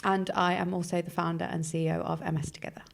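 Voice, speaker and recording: Woman, 20s, from England, lowish voice, chatty podcast guest with plenty of fillers. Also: little pitch movement, fast talker, creaky. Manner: chatty, frequent "um" and "kind of". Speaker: charity founder as podcast guest. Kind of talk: casual conversation.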